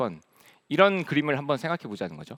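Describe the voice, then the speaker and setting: Vocal fry and very wide pitch swings come across in a dry, close sound with no echo, on a very clean recording with a silent background. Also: man. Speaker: conference speaker, cloud engineer. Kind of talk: conference talk. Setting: stage with audience. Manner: fast.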